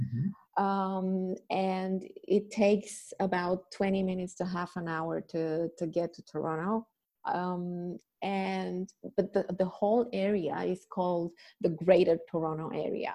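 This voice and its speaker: A woman with a Romanian accent, medium pitch and dark, mellow tone, at a fairly slow pace with fairly even intonation, over a quiet background. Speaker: trainer and consultant, podcaster. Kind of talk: interview. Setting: remote call.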